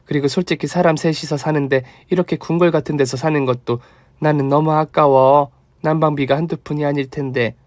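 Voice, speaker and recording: A man voicing a gentle, thrifty older mother-in-law who talks softly and fondly. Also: on the high side, fairly even intonation, brisk, dry recording, clean studio sound, lightly acted. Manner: soft, fond and gentle.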